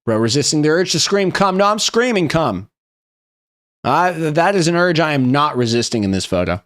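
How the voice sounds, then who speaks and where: On a live stream, a young man with a fairly high, fairly bright voice reads viewer memes aloud and riffs on them. He's very animated and fast, casually swearing and laughing often.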